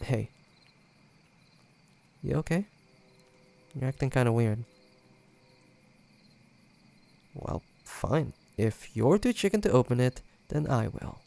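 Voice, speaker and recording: Casting: male actor as teasing young ex in intimate audio roleplay; swooping intonation, unhurried delivery, casual banter. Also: medium pitch, sing-song, gravelly, warm tone. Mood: playful teasing. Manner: teasing, hesitant, casual banter with trailing pauses. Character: playful teasing young man, nostalgic ex-boyfriend in treehouse.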